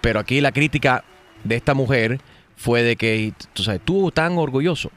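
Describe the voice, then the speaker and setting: A man hosting a morning radio show, lively, switching between Spanish and English. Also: medium pitch, moderate pace. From United States. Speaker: radio host. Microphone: studio mic.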